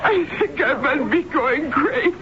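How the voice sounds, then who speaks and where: High-voiced, distraught housewife. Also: female voice, sing-song. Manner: halting, fraught. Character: frightened, distraught housewife doubting her own sanity. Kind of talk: 1970s radio drama acting. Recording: muffled, noisy vintage radio broadcast.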